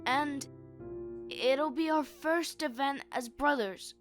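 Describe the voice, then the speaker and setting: A woman's voice: high voice, takes it slowly, soft background music. A woman voicing an eager young boy who adores his older brother, speaking earnestly in a fan audio drama.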